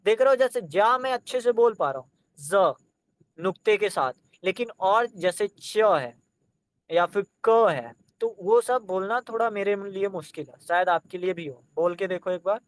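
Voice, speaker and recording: High-voiced male exam-prep teacher. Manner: sounds out letters slowly, one by one; addresses students directly, coaxing them to try.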